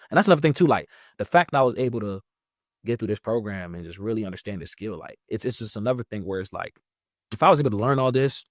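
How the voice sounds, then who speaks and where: A man in his twenties, talking in a rambling, casual way, leaning on "like" with lively jumps in pitch. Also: dry recording, clean studio sound. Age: 20s. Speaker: guest. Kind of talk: casual interview chat.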